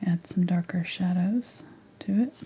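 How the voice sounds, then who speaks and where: A woman's voice: on the low side, measured pace, mellow, a little hiss or hum. A woman teaching a live painting tutorial, half-whispering while she paints and losing her voice. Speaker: painting instructor.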